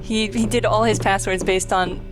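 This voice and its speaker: A woman's voice: medium pitch, steady tone, moderate pace. A woman hosting a Let's Play with casual, sardonic, sweary commentary. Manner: sardonic, profane. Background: game music.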